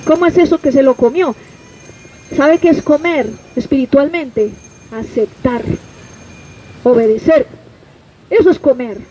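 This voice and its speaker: A woman's voice: high voice, a little slow, pauses often, mellow, a little hiss or hum, poor audio. A Colombian woman preaching an open-air street sermon, pressing her listeners with rhetorical questions and direct address. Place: outdoors on a city street.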